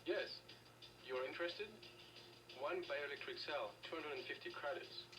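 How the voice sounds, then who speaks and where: A man's voice: fairly high pitch, normal speed, far from the mic, over music, natural voice, poor audio. An actor playing a shady, haggling black-market dealer in a video game, with a sly salesman's manner. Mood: coaxing. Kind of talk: video game dialogue acting.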